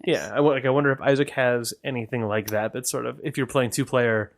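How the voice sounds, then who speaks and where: A man's voice: medium pitch, brisk, gravelly. A man co-hosting a casual podcast chat, thinking aloud and asking questions as he goes. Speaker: podcast co-host.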